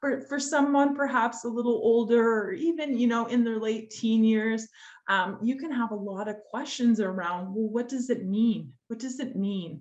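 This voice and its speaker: A woman with a Canadian accent talks at a moderate pace in a normal speaking voice, her pitch fairly high. She barely pauses and her pitch variation is ordinary. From northwestern Ontario, Canada. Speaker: academic keynote speaker. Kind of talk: Q&A answer in online talk.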